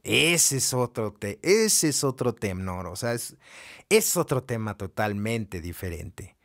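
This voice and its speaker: A man's voice: on the low side, sing-song, slow pace. A man giving a spiritual recovery talk, preaching and firing off rhetorical questions. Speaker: AA speaker.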